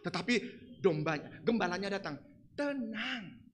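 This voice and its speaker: A man preaching a sermon in a church, swinging from soft asides to shouted lines. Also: very high voice, very animated, normal speed.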